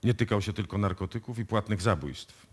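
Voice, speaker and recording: An actor playing a confident police detective who deliberately lays out a case in a radio play. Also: male voice, on the low side, husky. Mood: explaining, assured. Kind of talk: live radio drama acting in Polish. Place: radio music studio, performed live before an audience.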